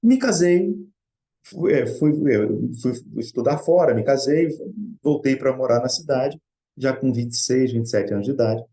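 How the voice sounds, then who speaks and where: A middle-aged man with a Brazilian Portuguese accent speaks in a relaxed, mellow tone. His pitch sits in an ordinary middle range. He tells a personal story in an earnest, conversational way as a speaker at a Spiritist study session. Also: normal speed.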